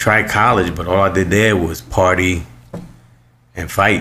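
Speaking with a New York accent, a man with a very deep, low voice and a bright, sharp tone talks at a fairly slow pace with fairly even intonation, and the room echo is audible. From New York City. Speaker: war veteran. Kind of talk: interview.

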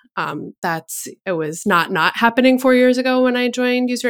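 A plain, everyday voice with an American accent moves at a moderate pace with lively intonation. The sound is dry and close with no echo, in a very clean recording with a silent background. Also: woman. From New York. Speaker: marketing executive, podcast host. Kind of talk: interview.

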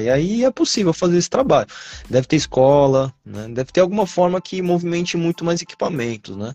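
Over music in the background, a man talks at a moderate pace with lively intonation in a dry, close sound with no echo. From São Paulo, Brazil. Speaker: kitesurfer and salesperson. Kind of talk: casual interview.

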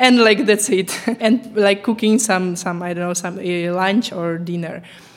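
Noticeable background noise accompanies a woman talking at a medium pitch with ordinary pitch variation. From Ukraine. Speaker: fashion designer. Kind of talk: casual interview. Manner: nervous.

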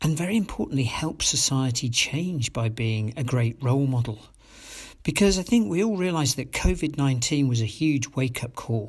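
A man speaks at a moderate pace in a medium pitch, his somewhat breathy voice carrying lively intonation over a very clean recording with a silent background. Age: 60s. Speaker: psychologist and podcast host. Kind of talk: solo podcast monologue.

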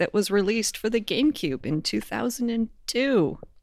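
A woman with an American accent speaks at a moderate pace using very wide pitch swings. The recording is very clean with a silent background. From United States. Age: 30s. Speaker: podcast host. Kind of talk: casual chat.

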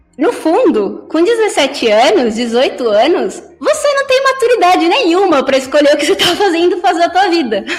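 A woman's extremely high voice at a moderate pace, with very wide pitch swings, very even loudness and music in the background. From Colombia, raised in Brazil from small child. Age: 20s. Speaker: product owner, former biotechnologist. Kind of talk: casual chat. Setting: podcast.

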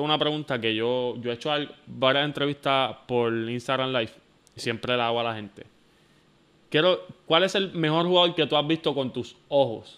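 The speaker has a Puerto Rican accent. The pitch varies in an ordinary way. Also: man. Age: 20s. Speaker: podcast host. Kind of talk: casual interview.

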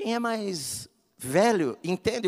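A high-pitched man's voice on a very clean recording with a silent background. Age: 50s. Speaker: pastor. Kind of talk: sermon.

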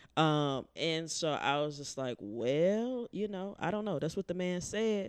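Her very deep, low voice swings very widely in pitch as this woman speaks. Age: 30s. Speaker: podcast co-host. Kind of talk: casual chat.

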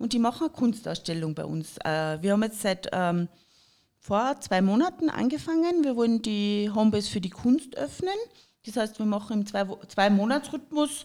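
A woman's dark, mellow tone at a fairly high pitch with very wide pitch swings, at a moderate pace. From Austria, Tyrol (Kitzbühel district). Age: 40s. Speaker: community volunteer. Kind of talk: casual interview chat.

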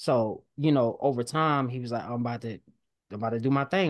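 Man with a Southern US accent, at medium pitch and a very fast pace, with fairly even intonation. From Alabama. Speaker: rapper. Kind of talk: casual interview.

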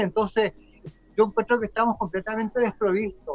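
The man's voice sits at a high pitch, with fairly even intonation. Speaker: fashion designer. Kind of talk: casual chat.

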